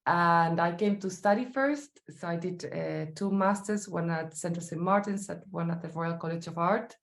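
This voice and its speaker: Low Chilean-accented woman, roomy echo. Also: creaky. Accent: Chilean Spanish. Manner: thoughtful, halting, many fillers. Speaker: sculptor guest. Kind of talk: interview answers.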